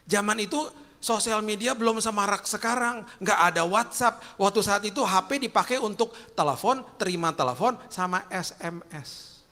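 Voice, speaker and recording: Joking middle-aged Jakarta preacher, higher voice. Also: male voice, moderate pace. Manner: lively, joking storyteller. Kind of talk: storytelling sermon. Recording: long hall reverb.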